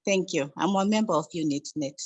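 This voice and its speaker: A woman from Kenya, a psychologist and nurse, introducing herself in a friendly, unhurried way on a video call. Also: sits low, husky, dry recording.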